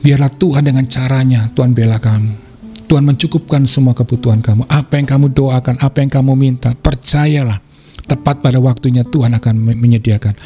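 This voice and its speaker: A male pastor preaching a sermon with passion, his voice jumping up in pitch to stress a point. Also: mellow.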